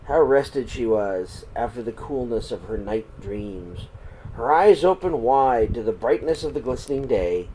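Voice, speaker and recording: Man reading a children's story, noisy background. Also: mid-range voice. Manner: dramatic, swinging between hushed and projected. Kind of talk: expressive read-aloud storytelling. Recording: clear background noise.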